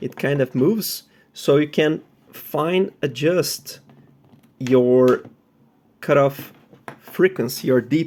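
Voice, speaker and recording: Speaking very slowly with a non-native accent, a man with a fairly high pitch and ordinary pitch variation leaves long, frequent pauses. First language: not English. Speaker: amateur radio hobbyist. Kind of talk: tutorial. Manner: halting.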